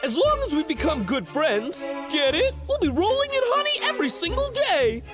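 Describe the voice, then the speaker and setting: A woman voicing a naive, excitable younger-brother bear in a cartoon, with exclamatory, playful delivery. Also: very high voice, moderate pace, full character voice. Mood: scheming. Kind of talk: animated cartoon dub acting. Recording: music under the voice.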